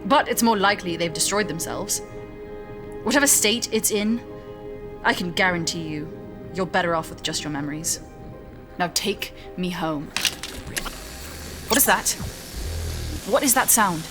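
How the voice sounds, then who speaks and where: An actress playing a defiant captive scientist in a sci-fi audio drama, coldly blunt, with a cutting, sardonic delivery. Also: female voice, fairly low pitch, measured pace, long pauses, music in the background, close to an everyday voice. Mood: cold, skeptical.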